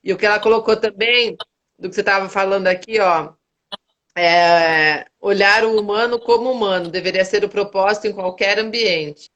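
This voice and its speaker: Woman host, mid-pitched, chatty and encouraging, on a video-call mic. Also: normal speed, dull audio. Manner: warm, chatty, readily agreeing. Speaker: host of an online live show. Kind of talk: casual live interview chat.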